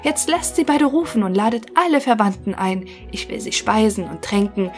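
A woman's voice: medium pitch, expressive, normal speed, faint music behind, close to an everyday voice. A woman voicing a confident young male craftsman in a fairy-tale audiobook, speaking boldly and boastfully. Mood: eager.

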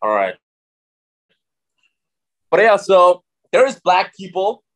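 A young man with an American accent, raised in Austria, speaking over a video call. He talks with energy and confidence, in a relaxed way that sounds like a casual chat. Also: high-pitched, takes it slowly. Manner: energetic, confident, says bro a lot. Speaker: guest. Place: bright room with large windows.

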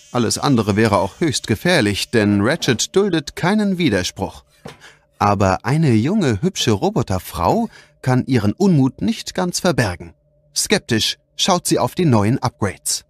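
A man's voice: medium pitch, sing-song, unhurried, husky. A man narrating a scripted children's audio play as a dramatic storyteller. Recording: music behind the voice.

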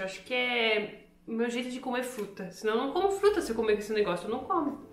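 A Brazilian YouTuber with a Brazilian Portuguese accent chats casually to camera, joking with viewers as she tests kitchen gadgets at home. Her voice is on the high side and fairly bright, with a roomy sound.

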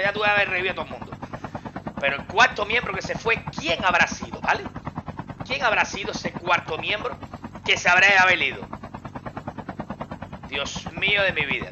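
A man giving excited, exclamatory commentary over his mobile game, talking to viewers and to enemies as he plays. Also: high voice, moderate pace, long pauses, noisy background. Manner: exclamatory, talks to viewers and enemies while playing.

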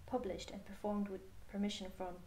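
A woman reading a picture book aloud to children in a measured, expressive way with pauses. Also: medium pitch, slight background noise. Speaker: storyteller.

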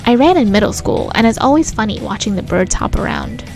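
Woman, higher-pitched voice, let's play host, casual commentary, reading game text aloud, music behind. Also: lively intonation, brisk, darkish tone.

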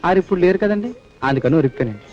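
An actor playing a simple-hearted, timid police constable, polite and repetitive, in old film dialogue. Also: male voice, sits high, lively intonation, very fast. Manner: polite, repetitive, adds honorifics to every phrase. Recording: dull lo-fi film soundtrack with music.

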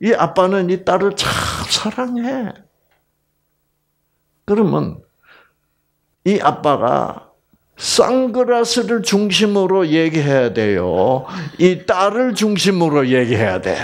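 A middle-aged man giving a Bible lecture, asking his audience rhetorical questions and dropping into soft whispers. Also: sits high, very animated, takes it slowly, creaky, long pauses.

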